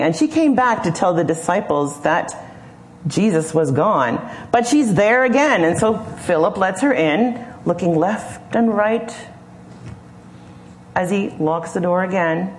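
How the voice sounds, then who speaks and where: A woman with a low voice who tells a scripture story at an unhurried pace, pausing to wonder aloud. Faint room hum underneath. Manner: slow, imaginative, gently questioning. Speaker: preacher. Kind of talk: storytelling sermon.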